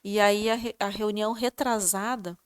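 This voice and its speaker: A woman chatting casually about her faith, laughing at herself and filling pauses with short tags. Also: medium pitch, steady tone, clear, resonant tone. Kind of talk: religious reflection, casual sharing.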